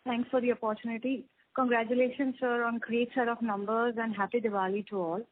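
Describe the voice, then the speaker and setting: A woman's voice: on the high side, flat delivery, brisk. A woman with an Indian accent politely asks unscripted questions as an analyst on a conference call. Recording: dry, narrow phone line.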